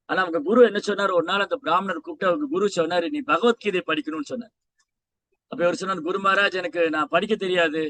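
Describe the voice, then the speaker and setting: A man's voice: a little high, fairly bright tone. A man preaching a sermon with a Tamil accent, telling a devotional story and acting out the dialogue of its characters. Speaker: Vaishnava preacher.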